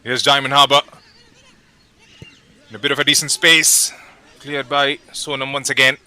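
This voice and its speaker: Male football commentator, very bright voice, middle pitch, steady play-by-play calls. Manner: steady, measured calls with brief pauses between names.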